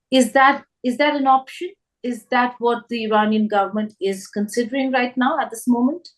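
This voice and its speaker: Female interviewer, average pitch, probing news questioning, restates her questions.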